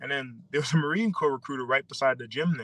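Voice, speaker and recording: In a bright, sharp tone, a man talks with an American accent. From Pennsylvania. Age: 20s. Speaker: Marine veteran, political candidate. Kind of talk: interview. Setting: live stream.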